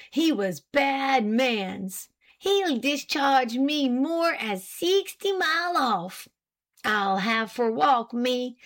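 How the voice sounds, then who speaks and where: Woman playing an excitable man. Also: on the high side, exaggerated voice. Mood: aggrieved. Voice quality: broken dialect English, protesting and wheedling. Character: excitable French-Canadian man, sly and indignant witness.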